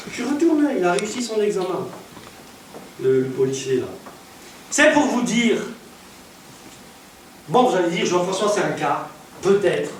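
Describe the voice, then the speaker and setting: A man preaching as an evangelist, telling stories in a lively way, with loud bursts and acted-out dialogue. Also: sits high, measured pace, pauses often. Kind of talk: storytelling sermon. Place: church. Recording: echoey church hall from far off, faint hiss.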